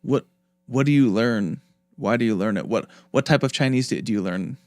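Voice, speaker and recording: A man's voice: mid-range voice, moderate pace, a little mellow, no echo, soft background music. A male host with a mid-range voice, asking curious, loosely worded questions. He strings a few versions of each question together. The recording is dry and close. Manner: curious, stacks several rephrased questions. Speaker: interview host. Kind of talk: casual interview questions.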